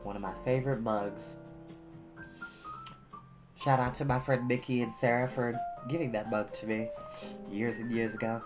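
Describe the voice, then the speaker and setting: A woman with a low voice narrates as a storytime host, in an audiobook style. The sound is slightly dull, with soft guitar music underneath. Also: fairly even intonation, normal speed, long pauses.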